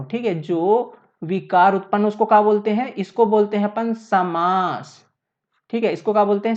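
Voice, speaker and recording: This one is a woman with a mid-range, darkish voice, captured on a muffled recording. Lecturing at a board, she breaks things down step by step, restates her points, and raises questions only to answer them herself.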